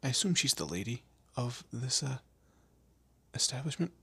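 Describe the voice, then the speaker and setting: A man playing a frightened, pleading captive of a vampire in an audio roleplay, stammering and often slipping into breathy whispers. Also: mid-range voice, very animated, moderate pace, a bit bright, no echo, heavily acted. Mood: hesitant, nervous. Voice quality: breathy, husky. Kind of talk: amateur audio roleplay drama, one-sided dialogue.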